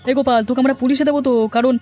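Man acting a high-pitched scheming village land broker. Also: fairly even intonation, racing, darkish tone, soft background music. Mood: threatening, bullying. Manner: pushy, gloating, threatening. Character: scheming, greedy male land broker who bullies villagers. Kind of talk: dramatic cartoon voice acting.

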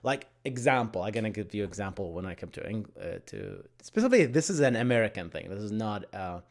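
A man's voice: on the low side, fast. A man in his thirties from Bahrain with an Arabic accent, talking casually to camera from a home room, gesturing a lot, restarting phrases and tagging on "right?". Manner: animated hand gestures, frequent restarts and filler "right?". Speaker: tech YouTuber. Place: home room with bookshelves, indoors. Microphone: desk mic in front of camera.

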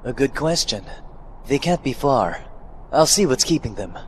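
A man's voice: medium pitch, expressive, normal speed, a little mellow, slight background noise, pitched above the performer's own voice, natural voice. A man voicing an earnest, courteous young male warrior in a fan dub of a game scene. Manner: formal, courteous phrasing.

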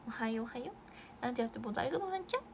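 A young Japanese idol woman chatting casually on a live stream, reading viewer comments with bursts of excitement and soft asides. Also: on the high side, very fast, a little hiss or hum.

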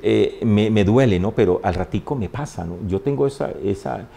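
A man, a priest, telling stories in a warm way and often laughing during an interview. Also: on the low side, moderate pace, vocal fry. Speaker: priest, guest. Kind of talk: interview anecdotes. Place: TV studio.

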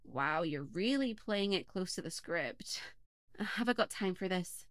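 A woman's voice: on the low side, animated, slow, fairly bright tone, no echo, clean studio sound. An actress playing a young woman podcast host, wry at first and then panicked and sobbing. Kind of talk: audio play acting.

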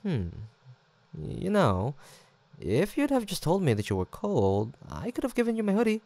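A man's voice: high voice, wildly swooping pitch, moderate pace, mellow, no echo, full character voice. A young man acting an easygoing, teasing, affectionate student roommate in an intimate, casual roleplay audio drama, with hesitant banter. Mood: gentle, shyly caring. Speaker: voice actor.

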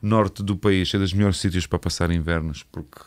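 A man's voice: sits low, fairly even intonation, a little fast. A man in his forties who grew up in Eastern Europe, talking casually and bluntly as a podcast guest, swearing freely in a studio on a headset mic. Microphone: studio mic with headphones.

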